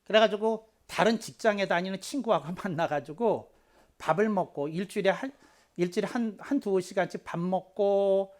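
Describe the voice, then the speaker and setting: A man preaching a short children's sermon as a pastor, talking conversationally, repeating key phrases and swinging into loud, emphatic bursts. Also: high-pitched, moderate pace.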